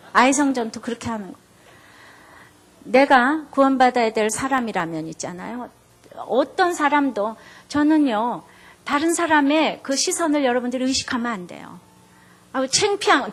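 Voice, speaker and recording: A high-pitched middle-aged woman preaches to her congregation. She tells a story with animated energy and jumps into the voices of the people in it. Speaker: pastor. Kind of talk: sermon.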